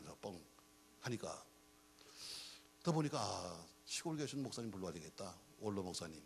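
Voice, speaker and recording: A man's voice: medium pitch, a little hiss or hum. A middle-aged man preaching a sermon as a pastor, telling jokey stories and acting out the dialogue. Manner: animated, jokey storytelling with acted-out dialogue.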